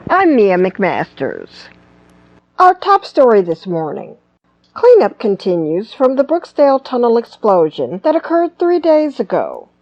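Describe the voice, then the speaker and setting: An actress playing a polished morning radio news anchor, reading scripted headlines in an audio drama. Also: female voice, fairly high pitch, wildly swooping pitch, unhurried, highs cut off. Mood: brisk, professional.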